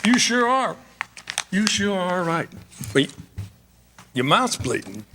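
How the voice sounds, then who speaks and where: A man's voice: sits high, sing-song, takes it slowly, heavily acted. An actor playing a friendly, hearty small-town policeman with a folksy manner in a staged radio drama. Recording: live stage, faint noise, clicks.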